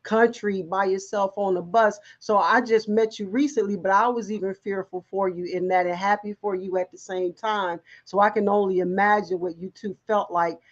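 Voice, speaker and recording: A woman's voice: mid-range voice, steady tone, moderate pace, hardly any pauses, muffled recording. A woman hosting an interview, asking encouraging questions and often restarting her sentences. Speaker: talk show host. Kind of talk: interview in recovery show.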